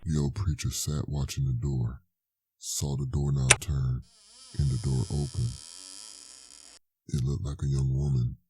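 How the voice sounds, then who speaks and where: A man narrating a scary story in a deliberate, suspenseful scripted style. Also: rumbling low, level tone, noisy background.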